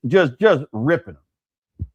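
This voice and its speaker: Lively, blunt talk-show host man. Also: fairly high pitch, takes it slowly, slightly rough, muffled recording. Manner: blunt, slangy, emphatic. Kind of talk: casual panel chat.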